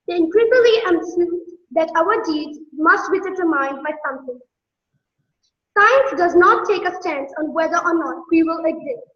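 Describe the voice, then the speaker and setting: A young schoolgirl from Pakistan with a Pakistani accent, Urdu her first language, reading a debate speech and answering questions briefly. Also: very high-pitched. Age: young, fifth grade. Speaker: student debater. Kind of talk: read debate speech, then short answers. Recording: echoey dull lo-fi call audio.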